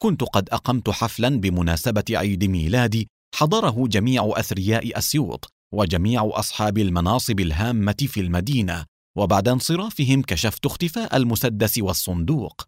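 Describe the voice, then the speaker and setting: A man voicing a calm, bitter older male doctor who speaks in measured, clipped phrases. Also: lowish voice, dry recording, clean studio sound. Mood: cold, clipped.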